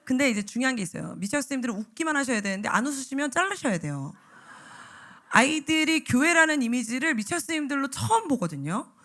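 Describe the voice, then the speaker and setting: A woman evangelist giving a lively sermon to church teachers, often acting out the voices of teachers and children. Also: high voice, quick pace. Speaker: evangelist preacher. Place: church sanctuary.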